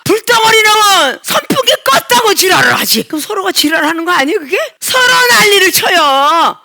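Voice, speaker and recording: Woman pastor, very high bright voice with gravel, shouting sermon, church. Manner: shouting and crying out, acting out voices. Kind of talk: charismatic sermon.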